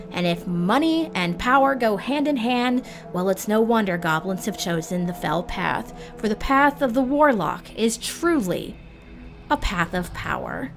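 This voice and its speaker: A woman hosting a video guide, reading scripted explainer narration in measured, explanatory phrasing. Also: medium pitch. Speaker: host of a roleplaying guide video series. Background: background music.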